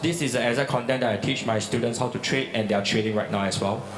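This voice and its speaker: Very fast talking from a man, amid audible room echo and noticeable background noise. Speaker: trading educator. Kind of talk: seminar sales pitch. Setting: stage with audience.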